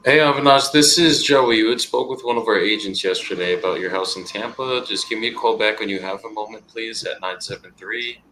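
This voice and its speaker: Male cold caller leaving a voicemail; low-set voice, upbeat and polite, slow on the numbers. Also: bright, forceful tone, slight background noise, low-quality recording. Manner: upbeat, polite sales pitch, reads out phone number slowly. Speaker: real estate cold caller.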